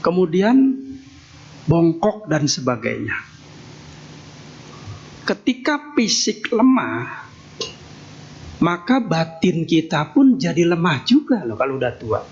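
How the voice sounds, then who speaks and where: A man's voice: fairly high pitch, sing-song, slow pace, long pauses, a little mellow. A man giving a Buddhist temple sermon in a folksy, joking way, tagging nearly every phrase with a questioning "ya". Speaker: Buddhist monk giving a Dharma talk. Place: temple hall. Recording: dull lo-fi sound with faint noise.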